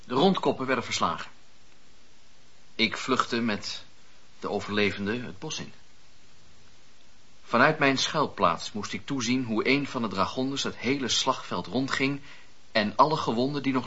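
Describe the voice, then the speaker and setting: An actor playing a fervent, earnest wandering preacher of the seventeenth century, declamatory, in a radio drama. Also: male voice, mid-range voice, pushed and bright, slightly rough. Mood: impassioned. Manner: declamatory, impassioned storytelling with dramatic pauses. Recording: dull, lo-fi radio play recording.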